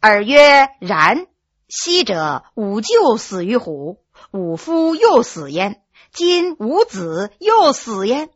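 A woman storyteller voicing a male scholar who chants classical text slowly and explains things patiently. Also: a little high, sing-song, no echo, muffled recording, full character voice. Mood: chanting.

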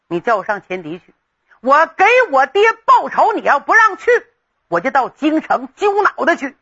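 A woman's voice: sits high, sing-song, normal speed, sharp tone, muffled recording, heavily acted. A woman storyteller voicing a hotheaded, rowdy young nobleman who blusters and makes bossy threats. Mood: pleading, stubborn.

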